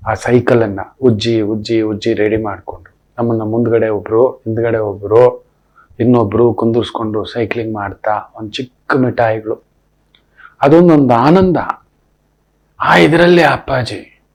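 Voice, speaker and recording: A man's voice: medium pitch, a little mellow. A middle-aged man, an astrologer, telling anecdotes in a spoken discourse, emphatic and given to repeating his refrains.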